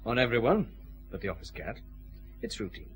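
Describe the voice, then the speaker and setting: An actor with a Scottish accent playing a calm, guarded detective chief inspector, questioning politely and with reserve. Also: male voice, mid-range voice, a little fast, a little hiss or hum, natural voice. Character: measured male Glasgow detective, calm and guarded. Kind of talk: radio drama acting.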